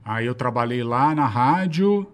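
A man's voice: mid-range voice, expressive, unhurried. A man with a São Paulo accent telling stories in a rambling, slangy way, swearing often. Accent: São Paulo Portuguese. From Brazil. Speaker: guest. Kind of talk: casual storytelling chat.

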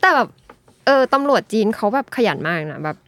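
A woman's voice: fairly high pitch, very animated, brisk, fairly bright tone, no room sound. A woman from Thailand, chatting casually as a podcast guest and telling things piece by piece in colloquial speech. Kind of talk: casual chat, storytelling.

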